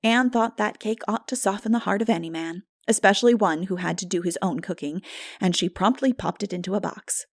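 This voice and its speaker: A woman's voice: medium pitch, brisk, dry recording. A woman reading a classic novel aloud as a scripted dramatic audiobook narration.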